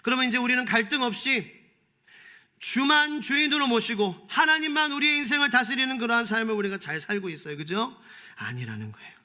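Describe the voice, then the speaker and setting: A man's voice: very high voice, expressive, fairly quick, sharp tone. A male pastor preaching a sermon, emphatic, asking the congregation rhetorical questions and moving between formal and casual speech.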